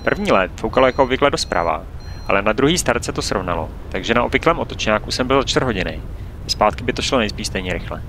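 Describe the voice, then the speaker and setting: Bright-toned man narrating calmly. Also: mid-range voice, slight background noise. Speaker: paraglider pilot and vlogger. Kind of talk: calm voice-over narration.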